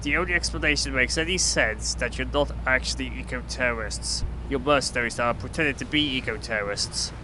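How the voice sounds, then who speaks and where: Man acting a flippant superhero, noisy rumbling recording. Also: a little fast, few pauses, close to an everyday voice. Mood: deadpan. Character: blunt, flippant male superhero, once a toy bird. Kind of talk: amateur audio drama acting. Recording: clearly noisy with low rumble.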